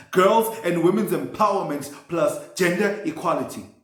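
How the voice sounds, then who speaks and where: In a room with audible echo, a man with a high pitch talks at a fairly slow pace with lively intonation. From Eswatini. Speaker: spoken word artist. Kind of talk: spoken word performance.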